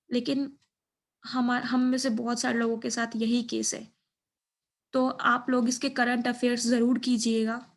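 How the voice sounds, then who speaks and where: A woman's voice: a little high, creaky. A young adult woman giving an informal, reassuring, repetitive explainer as an exam-prep teacher.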